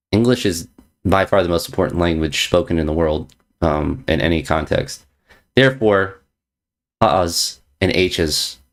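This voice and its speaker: A man streaming chess, chatting casually with viewers in a playful, teasing way, repeating jokey slang phrases. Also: sits low. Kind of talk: casual chat reading viewer messages.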